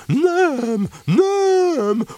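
A man's voice: extremely high pitch, very animated, darkish tone, no room sound, pitched above the performer's own voice. A man voicing a fussy, hooting owl in a children's audio drama. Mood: impatient. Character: fussy, impatient male owl with hooting calls.

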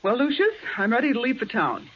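A woman's voice: a little high, sing-song, brisk, husky. An actress playing a hard-boiled, greedy female gang accomplice, curt and domineering, in 1940s radio style. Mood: businesslike. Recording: dull 1940s radio recording.

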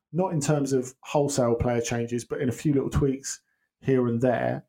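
A man's voice: medium pitch, darkish tone. A man giving casual football analysis on a podcast, thinking aloud with frequent restarts and ums. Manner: hesitant, many restarts and ums. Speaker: football pundit guest.

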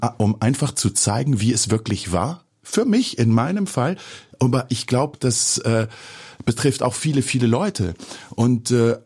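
Husky-voiced man reflecting. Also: medium pitch, darkish tone. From Geneva, Switzerland. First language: French. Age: 40s. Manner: reflective, many hesitations. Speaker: filmmaker. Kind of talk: personal interview.

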